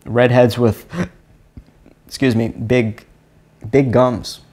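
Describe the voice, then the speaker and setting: A man's voice: mid-range voice, fairly even intonation, drawn-out words, a little mellow. A man with a Louisiana accent from around Chalmette, hosting a live stream and talking casually through a hands-on exercise, rambling and often repeating himself. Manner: rambling, fumbling, repeats words. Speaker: live stream host teaching energy healing.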